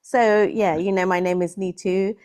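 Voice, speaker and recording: A woman's voice: medium pitch, steady tone, normal speed. A middle-aged woman from Kerala with a London-English accent, whose first language is Malayalam, hosting a friendly, chatty conversation over a video call. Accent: British English (London). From Kerala, India. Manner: friendly, chatty, soft laughs and fillers. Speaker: English tutor and channel host.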